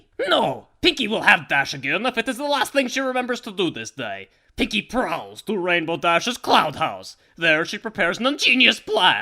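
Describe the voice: A cartoonish character voice with fairly high pitch talks at a moderate pace on a very clean recording with a silent background.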